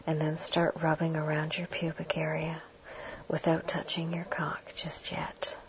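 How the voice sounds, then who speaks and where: Whispered role-play: woman, murmuring right at the ear, very monotone and unhurried, on a dull, noisy recording. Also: deep voice. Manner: slow, hushed, instructing the listener directly. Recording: dull muffled audio with clear background noise.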